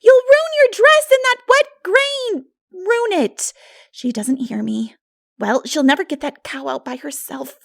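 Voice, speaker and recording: Woman playing an animated, high-pitched chatty young girl. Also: measured pace, gravelly, no room sound, clean studio sound, exaggerated voice. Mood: alarmed, frantic. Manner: animated, emphatic. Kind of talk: dramatic audiobook character reading.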